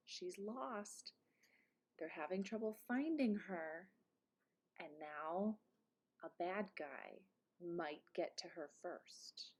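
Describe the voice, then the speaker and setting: A woman reading a children's picture book aloud like a teacher, with dramatic emphasis and quieter explanatory asides. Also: mid-range voice, breathy edge. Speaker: read-aloud presenter, teacher. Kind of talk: expressive children's storybook narration with explanatory asides.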